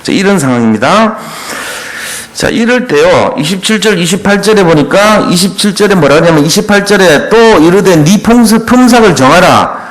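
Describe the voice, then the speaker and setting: Lively-voiced man preaching a sermon. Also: high voice, normal speed. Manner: conversational preaching, retelling scripture in everyday speech; asks the congregation questions. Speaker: pastor.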